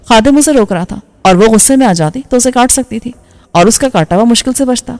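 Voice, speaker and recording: A woman storyteller narrating a novel in a steady, even reading voice. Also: a little high. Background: faint background music.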